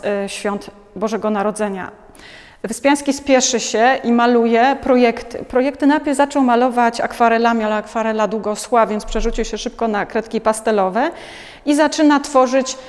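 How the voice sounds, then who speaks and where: Curator woman in a reverberant gallery. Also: a little high. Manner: unscripted explanation with frequent hesitations and restarts. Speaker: museum curator. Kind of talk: gallery talk about artworks. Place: large museum gallery, indoors. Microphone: lapel mic.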